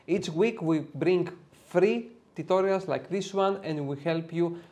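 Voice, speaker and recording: A Greek-accented man in his thirties with a fairly high voice talks through a software lesson. He explains each step in a lively, chatty way, dropping in the odd filler as he goes. He is recorded on a lapel mic in a dim home studio. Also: measured pace. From Greece. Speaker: photo editing tutor. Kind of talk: screen-recorded software tutorial.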